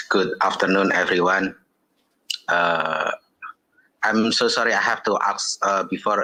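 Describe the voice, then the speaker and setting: Speaking at a fairly slow pace, a man talks with an Indonesian accent. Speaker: farmers' union representative. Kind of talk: panel talk. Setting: conference panel with interpreters. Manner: halting.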